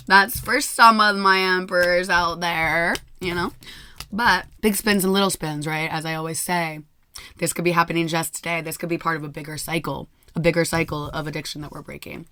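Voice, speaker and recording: A hoarse woman who has nearly lost her voice gives a chatty daily tarot reading into a microphone, laughing often. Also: fairly low pitch, fairly bright tone. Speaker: tarot reader.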